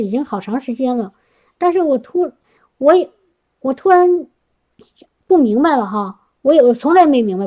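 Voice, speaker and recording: High-voiced woman giving a church testimony. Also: mellow, highs cut off. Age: adult working professional. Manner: earnest, chatty, frequent tag particles and restarts. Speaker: church speaker sharing a testimony. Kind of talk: sermon testimony to a congregation.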